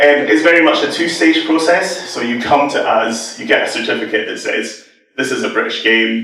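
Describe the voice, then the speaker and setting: A man talks at a moderate pace. Background noise is noticeable, and the room echo is audible. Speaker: conference speaker, games industry tax relief manager. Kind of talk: conference talk. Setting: stage with audience, microphone. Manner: hesitant fillers.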